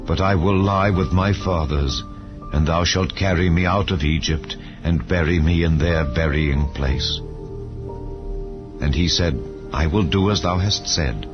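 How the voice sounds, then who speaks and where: A man reading scripture as an audiobook narrator in a solemn, measured, deliberate way. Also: sits low. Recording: dull lo-fi audio, music underneath. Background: background music.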